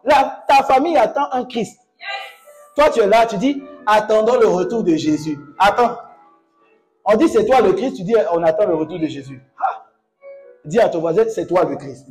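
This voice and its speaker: Male pastor, high and lively voice, sermon full of call-and-response and sudden loud outbursts, faint music behind. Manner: bursts into loud exclamations.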